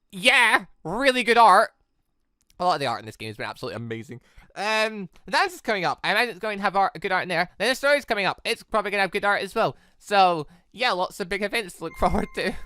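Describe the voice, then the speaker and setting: A let's player giving casual, rambling game commentary in an excitable manner. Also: mid-range voice, clean tone, dry recording, clean studio sound. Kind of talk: casual gameplay commentary, reading dialogue aloud.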